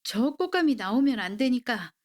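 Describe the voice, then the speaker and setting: A woman voicing a hungry, blustering tiger that is easily startled, growling slowly in a bedtime story. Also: fairly high pitch, sing-song. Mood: puzzled alarm. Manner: slow storybook growling, roars "eoheung".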